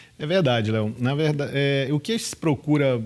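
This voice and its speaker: A man with a Minas Gerais accent speaks at a fairly slow pace in a fairly high pitch, with ordinary pitch variation. The recording is very clean, with a silent background. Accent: mineiro. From Minas Gerais, Brazil. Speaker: business consultant and board member. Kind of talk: TV interview.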